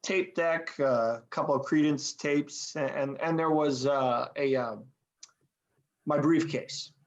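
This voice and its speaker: Film table read: actor as laid-back, confused slacker, very unhurried, halting delivery, lo-fi recording. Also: male voice, a little high. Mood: flustered, vague. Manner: halting, stammering, vague. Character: befuddled, laid-back, unemployed male slacker.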